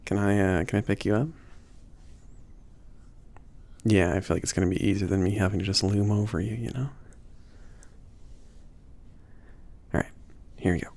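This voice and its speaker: A man playing a laid-back, gently teasing mage who runs a potion shop, speaking softly and hesitantly in an intimate ASMR roleplay, with a creaky, sometimes breathy voice. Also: on the low side, steady tone, very fast. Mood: reassuring, hesitant. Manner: hesitant, murmured, reassuring, chuckling. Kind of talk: ASMR roleplay, intimate one-sided conversation.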